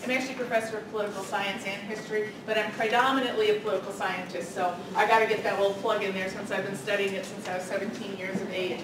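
A middle-aged woman giving a public lecture as a political science professor, loud, energetic and chatty. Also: mid-range voice, fast, few pauses. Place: large carpeted meeting room, indoors. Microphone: room camera from the back. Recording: echoey room from far off, noisy.

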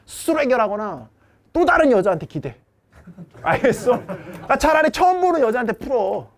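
A man's voice: very high voice, very animated, normal speed. A man lecturing as a dating coach in a blunt, brash way, swearing freely and talking down to his students.

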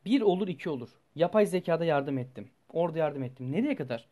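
A young man, a student, telling a story to his viewers in a casual, animated way, blunt and full of swearing, his voice jumping up and down as he goes. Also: fast. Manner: animated, blunt and profane, with sudden jumps in pitch and loudness.

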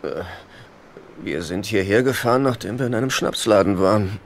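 A man's voice: fairly low pitch, normal speed, a little hiss or hum, close to an everyday voice. An actor playing a nervous, hapless man in a dubbed sitcom, speaking in a fussy, hesitant, pleading way. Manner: hesitant, flustered, wheedling.

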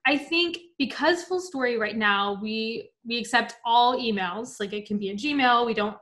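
A woman's voice: on the high side, moderate pace, a bit bright. A woman speaking casually in an interview about her company's sign-up choices, chatty and full of fillers. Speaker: product team guest at the reviewed company.

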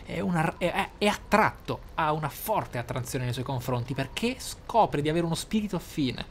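A man's voice: on the high side, animated, normal speed, slight background noise. A man giving casual role-play game commentary, musing aloud in an amused manner. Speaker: let's play host.

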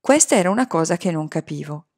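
A woman reading a novel aloud in a calm, measured storytelling voice. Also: lowish voice. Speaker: audiobook reader.

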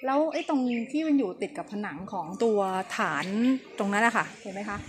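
With big swings in pitch around a medium register and a brisk pace, a woman talks quietly and chattily on a temple tour. She's a travel vlogger outdoors on a cloudy day, captured in a noisy recording.

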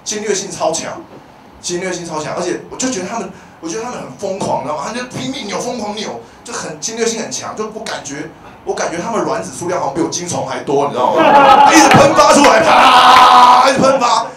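High-voiced male comedian in an echoey club. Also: fast. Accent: Taiwanese Mandarin. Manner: animated, bursts into loud shouted bits and mock voices. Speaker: stand-up comedian. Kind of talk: stand-up comedy set. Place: comedy club stage with live audience. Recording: echoey club sound from a distance, audience noise.

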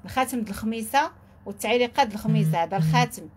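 Fast-talking Moroccan woman selling jewelry. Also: fairly high pitch, expressive, darkish tone, a little hiss or hum. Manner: repetitive, enthusiastic exclamations. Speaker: jewelry seller. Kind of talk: live sales pitch.

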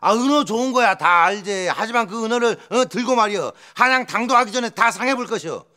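A bright, sharp voice plays a fawning aide in a period sitcom. He bows to his master and scolds his colleagues. The voice sits a bit high. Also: animated, fast talker. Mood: scolding. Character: fawning male aide to the magistrate.

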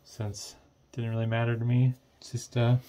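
A man giving casual, off-the-cuff narration of an electronics teardown, thinking aloud in a hesitant, low-key way. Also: monotone, moderate pace, mellow. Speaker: host of an electronics teardown video.

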